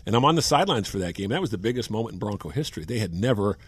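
A man in his sixties, a longtime sports broadcaster, telling animated anecdotes in casual chat. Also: lowish voice, racing, breathy edge, no room sound. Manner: animated anecdotes, acts out quotes.

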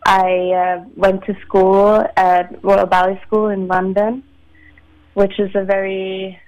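A woman in her late twenties, from Sweden, a ballet dancer answering interview questions in a measured, soft-spoken way with many pauses. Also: mid-range voice, completely flat delivery, clean tone, highs cut off. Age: 20s. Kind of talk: phone-in radio interview.

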